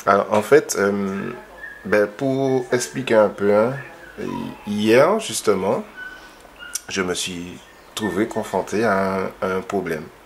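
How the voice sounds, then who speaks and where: Soft-spoken and fairly low in pitch, a man talks at a very slow pace with long, frequent pauses and ordinary pitch variation amid noticeable background noise. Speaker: participant in a bible study. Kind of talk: testimony. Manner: halting. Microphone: too quiet.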